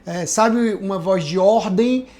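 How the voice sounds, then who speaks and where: A man's voice: sits high, slow pace, a little mellow. A pastor, earnestly telling his life testimony in a podcast conversation, often checking in with tag questions. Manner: earnest, reflective storytelling with frequent tag questions.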